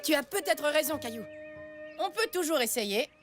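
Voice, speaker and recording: A woman's voice: high voice, animated, normal speed, music in the background. A woman voicing a confident, breezy older boy in a children's cartoon, upbeat and encouraging to a younger playmate. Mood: easygoing. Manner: upbeat, self-assured, encouraging.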